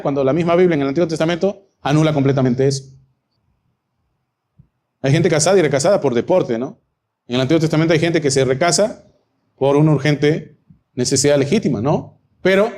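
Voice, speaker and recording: A man's voice: a little high, a little mellow. A man preaching a Bible-teaching sermon, emphatic and full of rhetorical questions.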